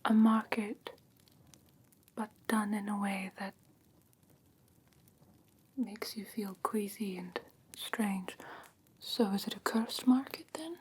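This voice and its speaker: A woman voicing an ancient, haughty yet curious fae in a soft breathy whisper for an ASMR fantasy roleplay, halting and matter-of-fact. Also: medium pitch, natural voice. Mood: puzzled, curious. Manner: unhurried, matter-of-fact, faintly condescending, halting. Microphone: close ASMR microphone. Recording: close-miked with clear background ambient noise.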